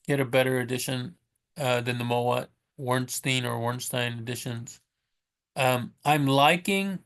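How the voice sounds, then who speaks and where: A man talking casually and unscripted in a low-key way, haltingly correcting himself as he recommends things like a vlogger. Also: clean tone. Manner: halting, self-correcting, rambling delivery; low-key, self-described monotone. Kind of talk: casual unscripted vlog talk.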